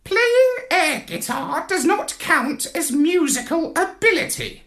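A storyteller voicing a bossy, clever male parrot commander who talks in a shrill, scornful, know-it-all way. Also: sing-song, slow, a bit bright, heavily acted. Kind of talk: storybook read-aloud.

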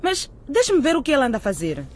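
A woman's voice: high-pitched, wildly swooping pitch, fast, faint music behind. A woman playing an emotional, exasperated middle-aged mother of a teenage son in a radio drama. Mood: coaxing.

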